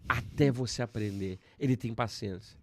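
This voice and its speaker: A Brazilian man, a pastor, teaching in conversation, switching between emphatic bursts and calm explanation. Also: medium pitch, normal speed. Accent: Brazilian Portuguese.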